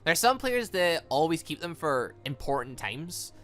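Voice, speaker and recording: An animated man with a bright, forceful voice gives casual gaming commentary. He rambles, trails off and corrects himself. Faint music plays behind him. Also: fairly high pitch, normal speed. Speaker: gaming video host playing a visual novel. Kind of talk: casual let's-play commentary, reading game dialogue aloud.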